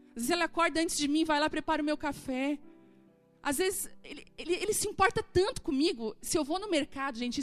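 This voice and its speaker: A woman in her forties, a pastor, preaching a sermon in a church and acting out dialogue as she tells stories. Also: high voice. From southern Brazil. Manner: animated storytelling, acting out dialogue. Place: church hall.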